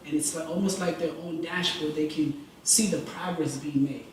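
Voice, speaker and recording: A man from Jamaica speaking on a panel, talking in an energetic, conversational way with rhetorical questions. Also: a little high, normal speed, slight background noise. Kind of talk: panel discussion. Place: event hall. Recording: echoey hall from far off.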